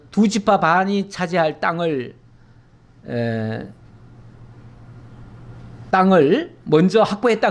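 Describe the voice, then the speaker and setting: A male pastor teaching from the Bible in a conversational, animated way, often checking in with his listeners. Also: sits high. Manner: conversational, animated retelling with tag questions.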